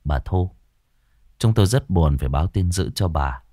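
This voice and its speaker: A man voicing a grave police officer who delivers bad news in a solemn, measured way. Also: low-pitched, animated, warm tone, dry recording, studio quality. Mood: somber. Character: grave middle-aged male police officer, somber.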